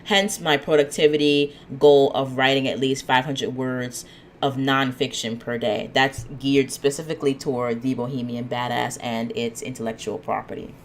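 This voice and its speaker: A woman's voice: a bass voice, normal speed, slight background noise. A woman hosting her own podcast, talking through her plans in a loose, rambling way with plenty of fillers, a little sniffly from a cold. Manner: relaxed, rambling, many "um"s and asides. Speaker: podcast host. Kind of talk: solo podcast monologue.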